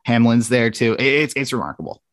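A man's voice: mid-range voice, sing-song, fairly quick, no room sound, clean studio sound. A man, a guest sports writer, chatting enthusiastically with frequent restarts. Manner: enthusiastic, many restarts and stammers. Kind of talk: casual sports chat.

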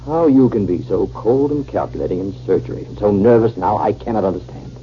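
An actor playing a controlled, conspiring doctor with a stern, precise, formal manner, in 1950s radio drama style. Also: male voice, lowish voice, brisk, close to an everyday voice. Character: cool, controlled male doctor and conspiring spy. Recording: muffled, noisy old radio recording.

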